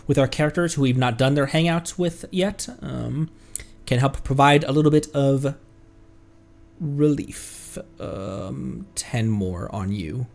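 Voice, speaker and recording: A man's voice: medium pitch, slow, vocal fry, a little mellow. A man chatting casually on a live game stream, thanking viewers and laughing often.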